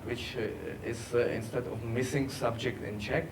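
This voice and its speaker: A man giving a technical workshop presentation, halting with many fillers. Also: mid-range voice, steady tone, gravelly. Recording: distant mic, background noise.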